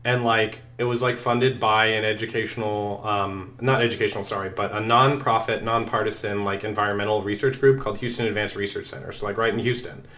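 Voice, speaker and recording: Chatty low-voiced man, a Norwegian native speaker. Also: steady tone, a little fast, few pauses, fairly bright tone. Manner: chatty, peppered with "like". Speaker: game developer guest. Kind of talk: casual podcast chat. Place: Texas.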